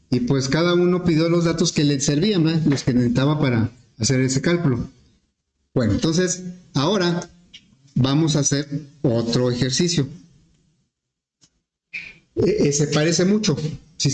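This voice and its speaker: A male teacher explaining an algorithm step by step in a relaxed lesson, with frequent fillers. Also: on the high side. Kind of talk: programming lesson. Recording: echoey classroom with faint noise.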